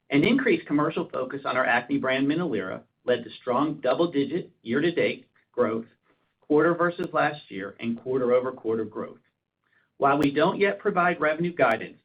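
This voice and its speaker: Businesslike man on a narrow phone line. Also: medium pitch. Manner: formal, businesslike reading. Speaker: chief operating officer. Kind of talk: scripted corporate earnings call presentation.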